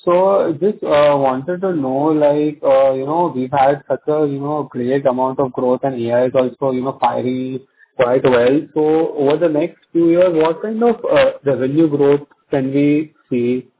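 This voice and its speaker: An Indian man, an investment analyst phoning into an earnings call, asking polite questions in hesitant, halting phrases. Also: mid-range voice. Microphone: telephone. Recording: tinny phone line with faint noise.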